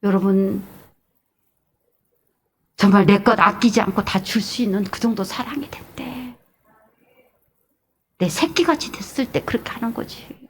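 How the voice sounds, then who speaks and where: A middle-aged woman pastor preaching an animated sermon, moving between loud exclamations and hushed, whispered asides. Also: medium pitch, gravelly, husky.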